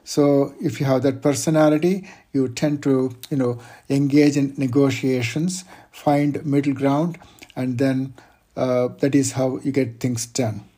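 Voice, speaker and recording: Husky, mellow-voiced man giving career advice. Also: mid-range voice, steady tone. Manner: measured, explanatory, uses examples and lists. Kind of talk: interview advice talk.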